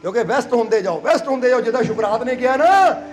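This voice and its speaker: A man's voice: very high-pitched, expressive, fast, faint music behind. A man from Punjab, India, gives a sermon to his congregation as its spiritual leader. He is playful and coaxing, and he repeats phrases and keeps asking the crowd whether they understand. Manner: coaxing and playful, laughs between lines.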